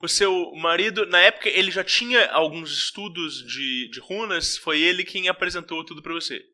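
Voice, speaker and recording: Low bright-voiced woman interviewer. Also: normal speed. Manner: brief backchannel replies. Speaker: podcast host, interviewer. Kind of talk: interview questions.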